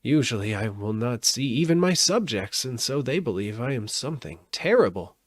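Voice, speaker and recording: A man's voice: mid-range voice, sing-song, moderate pace, dry recording, clean studio sound. A man reading a storybook aloud, voicing a meek, cowardly little old humbug wizard with a trembling, pleading voice. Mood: anxious confiding.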